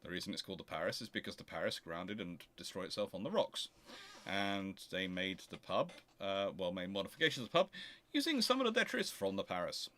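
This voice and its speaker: A man with a deep voice hosts a casual livestream Q&A about naval history, speaking fairly quickly over slight hiss or hum. He explains in an emphatic, animated, argumentative way, rambling and often correcting himself mid-sentence.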